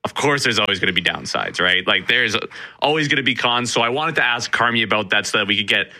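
Bright-voiced man on talk radio. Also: mid-range voice, quick pace. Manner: animated, laughs easily, rambling. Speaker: radio reporter.

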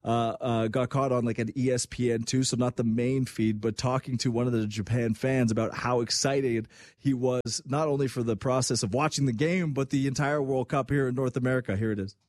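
On a dry, clean studio recording, a sports talk show host with a mid-range voice chats fairly quickly. He's lively and casual, performing the voices of whoever he quotes.

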